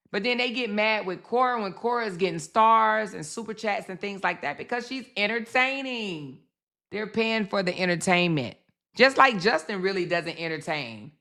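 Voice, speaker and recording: Woman, live-stream commentary host, bright tone, chatty and repetitive. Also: mid-range voice. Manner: chatty, calls viewers baby and girl, repeats phrases.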